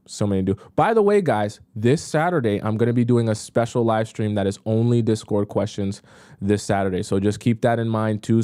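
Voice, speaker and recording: Male live-stream host, casual and chatty, mellow tone, dry close sound. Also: lowish voice, no echo. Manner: chatty, reads messages aloud with asides. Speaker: dating advice host. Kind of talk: live stream reading viewer questions.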